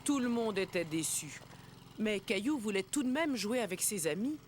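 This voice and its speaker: A woman narrating a scripted children's story as an expressive storyteller. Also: medium pitch, normal speed, slight background noise. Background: background music.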